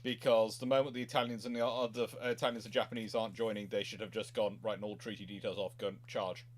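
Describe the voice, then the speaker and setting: A man's voice: lowish voice, level tone, fast, a little hiss or hum. Rambling man in casual discussion. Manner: rambling, stumbling and repeating himself. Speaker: naval history livestream host. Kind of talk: casual live question-and-answer commentary.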